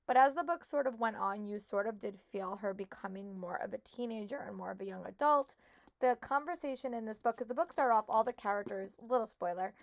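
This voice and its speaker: A young woman with a hoarse voice, chatting casually and upbeat to viewers in a reading vlog. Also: fairly high pitch, fairly bright tone, dry recording. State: hoarse, voice shot. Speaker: book vlogger.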